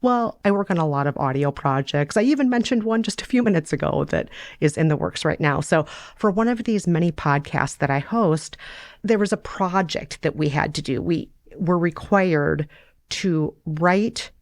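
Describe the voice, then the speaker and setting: A woman co-hosting a podcast in relaxed, casual conversation, upbeat and supportive. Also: low voice, moderate pace, no room sound, studio quality. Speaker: podcast co-host.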